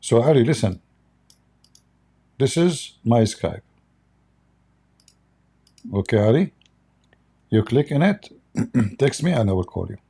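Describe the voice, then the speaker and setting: A hoarse man chatting casually on a livestream, his voice gravelly and husky from strain. He jokes and rambles while working at his computer, in a low, dark tone. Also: sing-song, takes it slowly, pauses often. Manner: joking, rambling while fiddling with software. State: hoarse, losing his voice, coughing. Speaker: livestream debate host.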